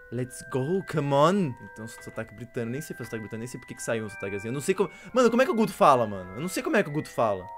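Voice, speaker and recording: Excitable gaming streamer. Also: male voice, mid-range voice. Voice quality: excitable, laughs and shouts often.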